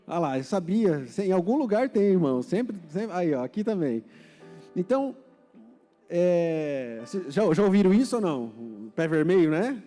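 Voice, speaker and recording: A man from Paraná preaching a sermon with a Paraná accent, chatty and anecdotal, quizzing the congregation and building to forceful exhortation. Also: sits high, sing-song, moderate pace. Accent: Paraná Brazilian Portuguese, rolled R. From Paraná, Brazil. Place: church hall. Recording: reverberant church hall with faint music.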